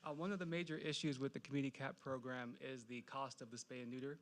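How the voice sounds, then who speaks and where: Male staffer, brisk delivery, mid-pitched, explaining a program to a council. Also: fairly even intonation. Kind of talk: explaining a program at a public meeting.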